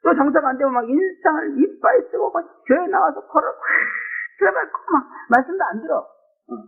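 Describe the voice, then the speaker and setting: High-pitched Korean preacher on lo-fi tape. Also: male voice, animated, a little fast, gravelly. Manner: emotive, exclaiming with many asides and rhetorical "eh?". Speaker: pastor. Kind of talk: sermon. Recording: tinny phone-like lo-fi recording.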